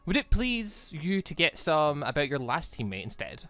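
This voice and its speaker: A man's voice: fairly high pitch, sing-song, moderate pace, pushed and bright, soft background music. A man voicing a composed, evasive older male mentor in a visual novel, speaking politely and formally. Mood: dryly amused. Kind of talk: reading visual novel dialogue aloud.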